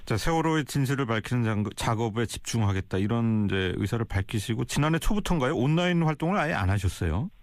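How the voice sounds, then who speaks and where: A man's voice: mid-range voice, expressive, fast, few pauses, no room sound, studio quality. A man hosting a formal radio interview, asking questions in an orderly, polite broadcast manner.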